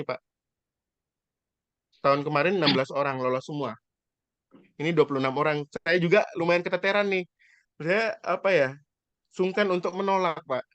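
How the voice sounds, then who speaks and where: A man in his thirties giving an informal guest lecture about his own experience, earnest and hesitant, with drawn-out fillers and polite address to his listeners. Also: on the high side, fairly bright tone, no room sound, muffled recording. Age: 30s.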